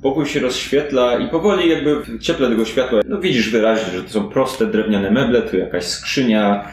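A man with a mid-range voice speaks at normal speed, with a little hiss or hum on the line. He narrates an improvised tabletop role-playing game as game master, conversational and descriptive. The recording has a roomy echo, with faint music in the background.

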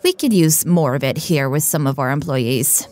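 A welcoming female clinic receptionist, played by an actress in an audio drama. Her low voice has a dark, soft tone and a polite, businesslike manner. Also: moderate pace, lightly acted.

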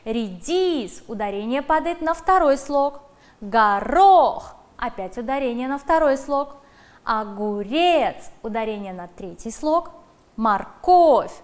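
A woman leads a primary school class on television, talking straight to the children. Her voice sits high and moves through a wide, animated range. She slows right down to sound out dictation words with clear emphasis. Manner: addresses children directly.

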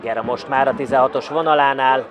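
A man giving excited sports commentary on a football match, raising his voice as chances develop. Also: medium pitch, muffled recording. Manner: excited, rising to shouts at chances. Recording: crowd noise behind, outdoor stadium. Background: crowd at an outdoor football ground.

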